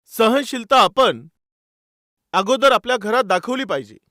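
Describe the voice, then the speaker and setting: A man's voice: sits high, normal speed, fairly bright tone, no room sound, clean studio sound. A man preaching a sermon, calling his listeners dear brothers and sisters and telling stories with quoted dialogue.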